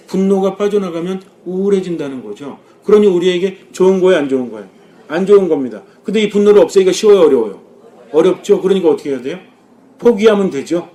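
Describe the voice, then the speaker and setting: A Catholic priest delivering a sermon in a somewhat high voice. He keeps throwing questions at his listeners and answers them himself. His delivery swings between lively, louder bursts and soft, low asides. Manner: lively, rising and dropping with emphasis.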